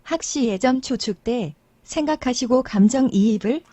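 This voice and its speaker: Female text-to-speech voice, donation alert, flat readout, dark mellow tone, dry sound. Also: fairly high pitch, moderate pace, no room sound.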